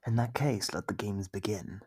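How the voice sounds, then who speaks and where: A man playing a sadistic monster in an ASMR horror roleplay, taunting captive prey with mock politeness in a gravelly, husky, whispery-edged voice, close to the microphone. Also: lowish voice, normal speed, darkish tone, no echo. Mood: menacing, gloating. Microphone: close, dry microphone.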